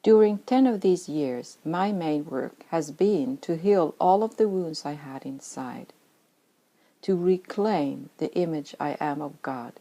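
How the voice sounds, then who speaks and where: A middle-aged Swedish woman, a native Swedish speaker with a Swedish accent, reads from her own spiritual memoir in an earnest, reflective manner, at times dropping to a whisper. Her low-pitched voice is mellow and animated, with a slow pace.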